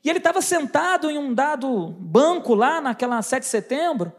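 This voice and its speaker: A woman giving a lively church testimony, telling a story and acting out the dialogue in a dramatic, animated way. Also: high-pitched, normal speed. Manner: animated storytelling, acts out dialogue, stammering asides. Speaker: lay preacher giving a testimony. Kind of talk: testimony preaching.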